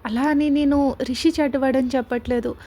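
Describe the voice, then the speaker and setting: A woman's voice: high-pitched, steady tone, brisk, dark tone. A woman reading a story aloud voices a scheming young best friend who talks in a teasing, persuasive way.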